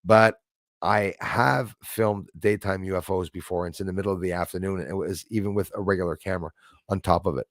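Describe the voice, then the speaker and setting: Reading through chat on a casual livestream, this Quebec host rambles with lots of fillers, speaking English with a Quebec accent. His voice is low-pitched with fairly even intonation and a fairly quick pace, recorded at studio quality without echo.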